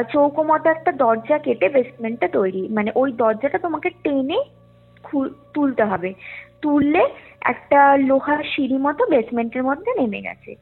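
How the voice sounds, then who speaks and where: A woman telling a story conversationally over a call, with hesitant, drawn-out and repetitive phrasing. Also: sits high. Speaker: caller telling a ghost story. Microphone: phone call. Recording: muffled lo-fi call with music underneath. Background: music.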